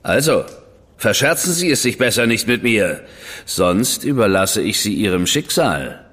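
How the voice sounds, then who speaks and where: A stern, powerful government man in a radio drama, with a lowish voice whose pitch rises and falls a lot. He is curt and cool, gives orders without warmth, and a long reverb trails behind each line. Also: big pitch swings, unhurried, slightly rough, exaggerated voice. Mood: stern, warning. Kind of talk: German studio radio drama acting.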